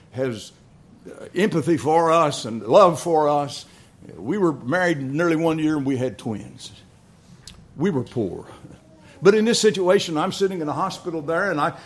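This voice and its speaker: Older guy preaching, kinda high voice, stops and restarts a lot, chuckles at his own stories. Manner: storytelling, halting with repeated restarts. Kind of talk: sermon.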